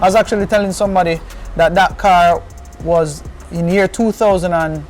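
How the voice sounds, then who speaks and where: Male interview guest, Jamaican accent, higher-pitched, casual patois-tinged chat over faint music. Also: fairly even intonation, normal speed. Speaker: interview guest, car content creator.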